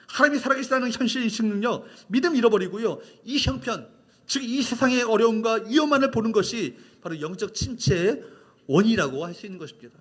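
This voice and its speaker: A man's voice: very high-pitched, fairly bright tone, slightly rough. A male pastor preaching a sermon, emphatic and repetitive, asking the congregation questions.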